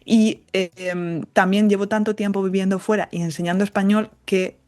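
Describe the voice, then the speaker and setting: A woman's voice: mid-range voice, steady tone, normal speed, a little mellow. A Spanish woman with a light La Mancha accent, talking as a podcast guest. She articulates carefully, as a teacher would, and slips in jokes as she chats. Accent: light Castilian Spanish from La Mancha. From Spain. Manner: clearly articulated, joking and chatty. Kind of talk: casual conversational interview.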